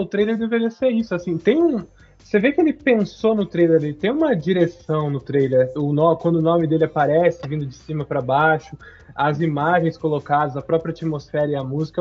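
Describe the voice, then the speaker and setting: A man's voice: a little high, darkish tone, dull audio. A man co-hosting a casual podcast chat, thoughtful and enthusiastic. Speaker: podcast co-host.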